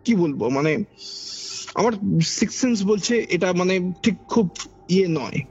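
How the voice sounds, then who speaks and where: A man with a Kolkata Bengali accent and a husky, gravelly voice recounts an eerie personal experience in a conversational, dramatic way, repeating phrases for emphasis. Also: sits high, lively intonation, measured pace, a little mellow. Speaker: podcast guest recounting a personal ghost experience. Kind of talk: conversational ghost-story telling. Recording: dull lo-fi audio under background music. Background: background music.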